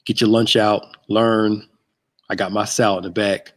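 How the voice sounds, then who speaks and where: A man's voice: on the low side, level tone, normal speed. A man in his thirties hosting a casual livestream chat, joking and greeting viewers by name. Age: 30s. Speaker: host.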